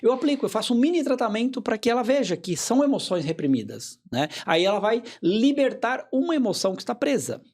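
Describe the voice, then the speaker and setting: A man being interviewed as a hypnotherapist, explaining in a measured way and repeating key phrases for emphasis. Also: extremely high pitch, sing-song, darkish tone. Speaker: hypnotherapist guest.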